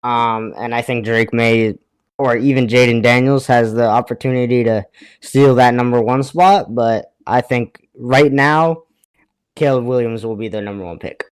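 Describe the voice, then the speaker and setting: A man's voice: medium pitch, steady tone, normal speed, smooth, low-quality recording. A man co-hosting a casual sports chat over a remote call, hesitant as he thinks aloud. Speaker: podcast co-host.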